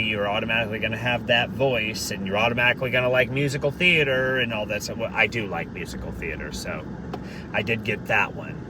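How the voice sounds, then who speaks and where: A man with a deep voice speaking earnestly and candidly in a casual question-and-answer video, sometimes swearing for emphasis. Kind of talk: casual Q&A monologue. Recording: distant mic, noisy background.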